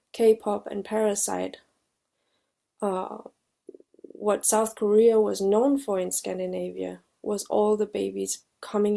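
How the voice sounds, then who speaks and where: Soft-spoken woman with gravelly creak. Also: mid-range voice. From Denmark. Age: 40s. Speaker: film director giving a recorded forum talk. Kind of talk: prepared personal testimony. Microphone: video presentation.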